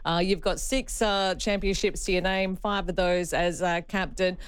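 A woman's voice: on the low side, steady tone, moderate pace, smooth, no echo. A woman hosting a radio interview, asking friendly prompting questions.

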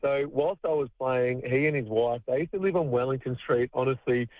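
A man's voice: medium pitch, a little fast, no echo. A man in his thirties from country New South Wales with an Australian accent, a retired basketball player telling stories with a laugh as a radio guest. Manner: chatty storyteller, laughs often. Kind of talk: radio phone interview. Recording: tinny phone line, dry.

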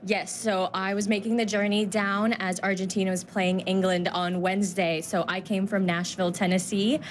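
A woman's voice: mid-range voice, little pitch movement, moderate pace, slight background noise. A woman football fan answering interview questions in an effusive way in a sports bar. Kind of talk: on-location interview.

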